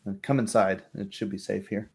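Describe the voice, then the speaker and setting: A man's voice: on the low side, fairly even intonation, brisk, creaky, darkish tone, husky. A man voicing an unperturbed, plain-spoken village woman in a tabletop roleplay, in a hesitant, matter-of-fact way. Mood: unperturbed, wary.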